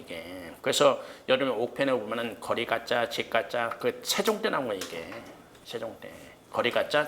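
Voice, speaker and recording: A man teaching exam prep history in a cram school lecture room, firing questions at students and answering them himself, blunt and joking, with casual rough slang. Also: medium pitch, fairly bright tone, a little hiss or hum.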